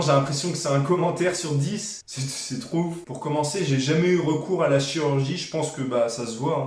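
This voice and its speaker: A man's voice: a little high, a little mellow. A young man talking informally and slangily as a fitness vlogger in a casual Q&A video. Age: young adult. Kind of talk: casual chatty Q&A vlog. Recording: very echoey room.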